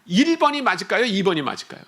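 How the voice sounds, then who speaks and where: A male guest missionary preaching a lively sermon, with a fairly high voice. His pitch swings widely as he jokes and chats with the congregation. The delivery is animated and playful throughout. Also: rapid-fire. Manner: animated, humorous, chatty asides to the congregation.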